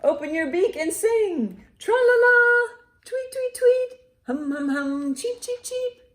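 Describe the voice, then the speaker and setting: Animated woman leading children's storytime, echoey room. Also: extremely high pitch, takes it slowly. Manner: animated, encouraging, sing-song delivery for small children. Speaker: library storytime host. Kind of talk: children's storytime with songs, rhymes and picture-book reading. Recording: roomy, echoey indoor sound.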